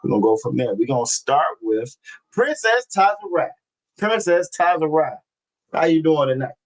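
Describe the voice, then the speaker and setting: A man teaching a religious language class over a video call, reading scripture slowly and often repeating himself. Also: on the high side, big pitch swings, low-quality recording. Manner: repeats phrases, constant "you know what I'm saying"; slow, deliberate scripture reading.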